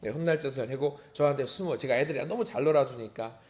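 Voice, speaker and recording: A man's voice: medium pitch, fast talker, a little mellow. A man preaching a dawn sermon in a church, earnest, asking rhetorical questions and acting out prayers. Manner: acts out quoted prayers and a child's voice. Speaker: pastor. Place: church sanctuary.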